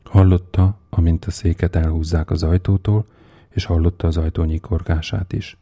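A man reading a story aloud in a slow, measured, suspenseful way. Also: low voice, little pitch movement, mellow, slightly rough. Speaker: narrator. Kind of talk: audiobook reading.

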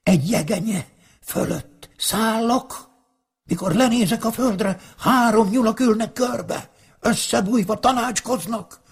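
A man's voice: high-pitched, gravelly, breathy edge, voice pushed up, exaggerated voice. A man voicing a calling magpie in a told folk tale, sing-song. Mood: alarmed. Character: chattering magpie bird.

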